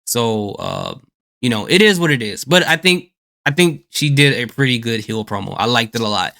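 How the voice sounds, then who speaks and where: A man hosting a reaction video, giving relaxed, chatty commentary with stammering restarts. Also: medium pitch, moderate pace.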